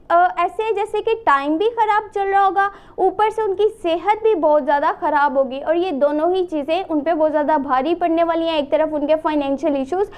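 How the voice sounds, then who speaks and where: A woman from Pakistan gives a tarot reading. She is a little hoarse and advises earnestly, mixing English words into her speech. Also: very high-pitched, darkish tone. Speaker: tarot reader. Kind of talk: solo tarot reading to camera.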